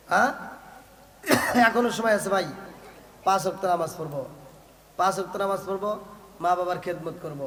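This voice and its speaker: A high-pitched man delivers an emphatic sermon, throwing rhetorical questions at his listeners. His voice rings through a reverberant space with a long, hall-like echo. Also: pushed and bright. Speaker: preacher. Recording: echoey reverberant hall sound.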